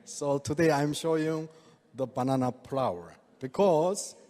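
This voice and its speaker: An older man with a Korean accent, speaking halting non-native English to an audience and chuckling often. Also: fairly high pitch, darkish tone. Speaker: speaker, oriental medical doctor. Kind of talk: presentation to a live audience. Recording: reverberant hall.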